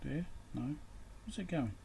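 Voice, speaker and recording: A man's voice: on the high side, animated, unhurried, vocal fry, warm tone, a little hiss or hum. A man giving casual, unscripted commentary while he works on electronics, muttering to himself in short, broken phrases. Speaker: electronics repair hobbyist and video host.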